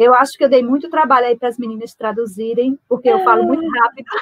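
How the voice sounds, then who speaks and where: The pace is fairly quick, and the pitch variation is ordinary. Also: woman. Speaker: nutritionist and university lecturer. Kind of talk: lecture; closing remarks in webinar. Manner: fast.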